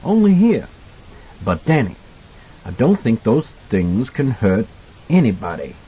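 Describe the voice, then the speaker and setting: A man voicing a kindly older hotel cook in an audiobook, folksy and earnest as he gently cautions a child. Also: lowish voice, sing-song, moderate pace, breathy edge, lo-fi sound. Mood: earnest, reassuring. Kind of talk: audiobook character dialogue.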